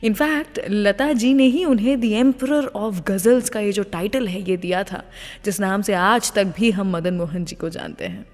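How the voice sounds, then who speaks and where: Female radio presenter, mid pitch, lively anecdotal delivery, reverberant sound. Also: a little slow. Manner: lively, poses questions to listeners then answers them. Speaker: radio host.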